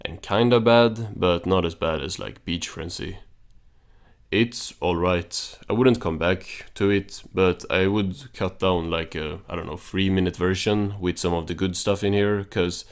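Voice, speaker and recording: A man's voice: low-pitched, fairly even intonation, measured pace, smooth. A man narrating a casual recap and commentary as a reviewer, in an offhand, understated way.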